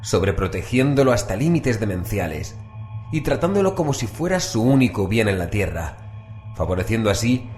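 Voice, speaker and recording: A male radio co-presenter from reads a scripted biographical piece. His voice sits fairly low, with faint music underneath. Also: very animated, moderate pace, darkish tone.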